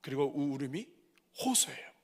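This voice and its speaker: A middle-aged man preaching at a church revival, moving from soft asides to loud cries. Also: medium pitch, sing-song, fairly quick, gravelly, husky. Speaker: pastor. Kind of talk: revival sermon. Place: church sanctuary.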